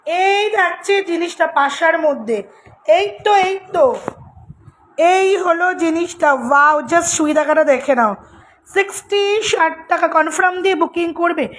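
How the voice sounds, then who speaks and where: A woman selling jewelry on a live stream, in a flat, husky voice, chatting with viewers and repeating prices over and over. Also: very high-pitched, measured pace, slight background noise. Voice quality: flat, husky voice, always so since childhood. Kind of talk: casual live-sale patter.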